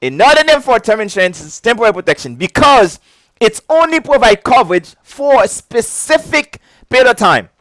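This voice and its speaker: In a casual video lesson on insurance licensing, a man with a heavy non-native English accent teaches in a very high voice at a brisk clip. He keeps repeating key points and chuckles often, animated throughout. There's no room sound.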